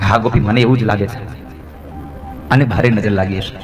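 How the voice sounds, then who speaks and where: A man's voice: on the low side, steady tone, normal speed, soft background music, pitched below the performer's own voice, close to an everyday voice. A male storyteller voicing an anxious, loving mother who fusses emphatically over her crying baby. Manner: fretful, emphatic.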